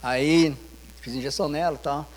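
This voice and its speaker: Animated Brazilian pastor in a reverberant church. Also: male voice, a little high, moderate pace. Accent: Brazilian Portuguese. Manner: storytelling, animated, acts out dialogue. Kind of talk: informal sermon with anecdotes. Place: church sanctuary.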